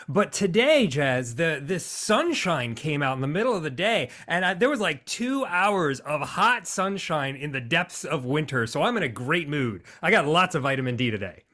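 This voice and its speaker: A man's voice: fairly high pitch, very animated, moderate pace, few pauses, sharp tone. An American man chatting as a podcast guest, cheerful and talkative, laughing easily. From United States. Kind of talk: casual interview chat.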